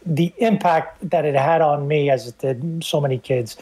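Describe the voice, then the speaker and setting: Breathy New man, 50s, earnest podcast co-host sharing memories. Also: a little high, normal speed, a little mellow. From the Bronx, New York. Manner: earnest, reminiscing, repeats words as he starts sentences. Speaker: guest host. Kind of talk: casual podcast chat.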